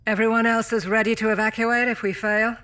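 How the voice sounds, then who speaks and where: Solemn high-voiced male starship captain, music behind. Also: little pitch movement, brisk, sharp tone. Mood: tired, resolute. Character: weary acting captain of a doomed mining spaceship. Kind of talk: dramatic sci-fi audio drama, log narration. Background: music under the voice.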